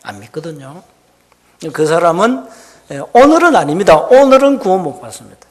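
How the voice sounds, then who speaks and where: A male pastor preaching a sermon in church, swinging between loud emphatic declarations and soft, repetitive asides. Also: high voice, sing-song, normal speed. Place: church sanctuary.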